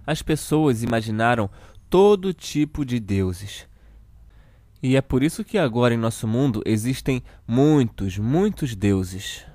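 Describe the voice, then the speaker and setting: A man with a Brazilian accent playing a children's TV uncle who reads a storybook slowly and deliberately to children. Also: medium pitch, lively intonation, dark tone, dry recording. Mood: storytelling. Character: children's TV show host uncle reading a satirical storybook. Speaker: storyteller host of a kids' show.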